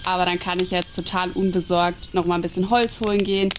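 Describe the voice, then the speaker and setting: Colloquial woman over clear background noise. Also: fairly low pitch, little pitch movement, fast. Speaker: podcast host acting in a short audio play. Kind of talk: scripted, colloquial audio play dialogue. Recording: noisy binaural campfire scene.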